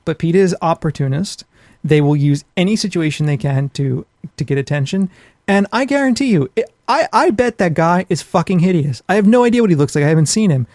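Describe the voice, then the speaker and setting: A man with a fairly high voice talks as a podcast co-host. He is blunt and opinionated, swearing as he rants in a casual way. The sound is dry, with very little room in it. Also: lively intonation, a little fast, a little mellow, no echo. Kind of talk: ranting casual podcast talk. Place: small home office.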